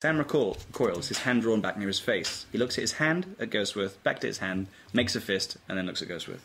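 A man with a fairly low voice narrates stage directions from a script. It sounds like an informal table read, with faint noise in the recording. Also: animated, brisk, fairly bright tone. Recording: noisy informal room recording.

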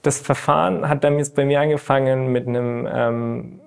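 A man's voice: medium pitch, steady tone, moderate pace, vocal fry, clean tone. Iran-born man, hesitant interview answers. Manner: hesitant, with fillers. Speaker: scholarship holder. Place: studio against a colored backdrop. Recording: guitar music underneath.

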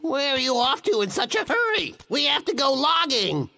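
Wildly swooping, creaky cartoon logger. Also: male voice, extremely high pitch, very animated, moderate pace, pushed and bright, exaggerated voice. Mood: agitated. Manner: exclamatory, muttering to himself. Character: excitable, grumbling, self-satisfied cartoon logger man. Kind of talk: animated cartoon dub. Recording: cartoon music behind the voice.

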